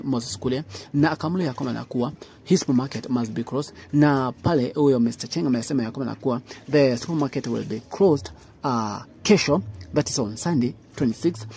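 A man with a Kenyan accent giving informal news commentary in an emphatic, halting way, repeating phrases. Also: mid-range voice, darkish tone, breathy edge. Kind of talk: informal news commentary mixing English and Swahili.

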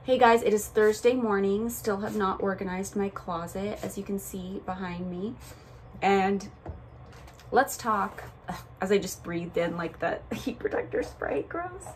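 A woman in her thirties with a raspy voice, chatting casually to camera in a week-in-the-life vlog, filled with "like" and "um". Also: medium pitch, slight background noise. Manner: chatty, relaxed, frequent "like" and "um". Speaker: vlogger. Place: home rooms and outdoors at a cemetery.

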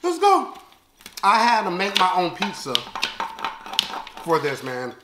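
Eating on camera, a thirtysomething American vlog host reacts with expressive exclamations, chatting casually and comically to his viewers. He has an animated voice that sits high and a slightly slow pace. It's recorded in a large open living and dining room at home, with roomy echo and clear background noise.

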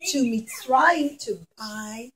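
High-voiced woman telling children a story. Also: takes it slowly, very noisy. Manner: emphatic, simple, repetitive phrasing addressed to children. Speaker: preschool teacher. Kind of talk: animated storytelling for young children with puppets. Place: indoors in a classroom.

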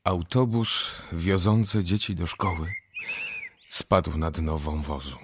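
An actor playing a grave narrator of dark stories in a scripted radio drama. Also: male voice, deep voice, fairly even intonation, slow. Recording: clearly noisy background.

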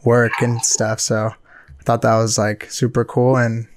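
A man's voice: medium pitch, completely flat delivery, a little slow, a little hiss or hum. A man hosting a podcast, laid-back and agreeable in casual chat. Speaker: podcast host.

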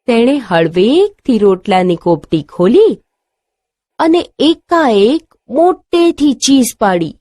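A woman's voice: fairly high pitch, animated, slow pace, warm tone, no room sound, clean studio sound. A woman teacher telling a story and leading a lesson for young children.

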